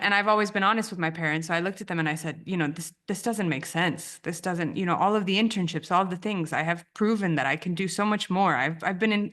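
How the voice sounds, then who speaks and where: A woman's voice: fairly low pitch, a bit bright. A woman in her thirties, from Romania and raised in the US, a podcast guest telling her story thoughtfully, often restarting phrases. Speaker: guest, branding editor. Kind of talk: reflective podcast interview.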